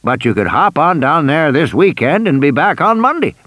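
A man's voice: a little high, big pitch swings, moderate pace, a bit bright, no echo, pitched above the performer's own voice. A man doing a cheery, pushy old tycoon. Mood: coaxing. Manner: insistent, persuasive, coaxing.

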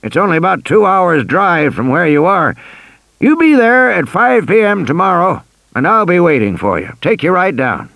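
A man's voice: sits high, sing-song, moderate pace, vocal fry, fairly bright tone, no room sound, pitched above the performer's own voice, full character voice. A man doing a cheery, pushy old tycoon. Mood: brisk. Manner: insistent, persuasive, coaxing.

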